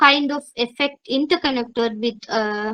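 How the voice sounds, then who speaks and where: This woman speaks at a fairly slow pace in a high pitch, with a bright, sharp tone and ordinary pitch variation. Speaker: climate advocate and webinar speaker. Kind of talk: webinar presentation. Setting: online webinar. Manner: halting, many fillers.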